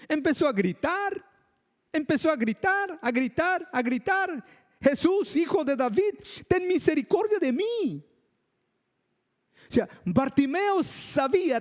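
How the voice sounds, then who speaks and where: A male preacher giving a sermon, emphatic and slow, repeating his phrases for weight. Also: very high-pitched, long reverb tail. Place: church hall.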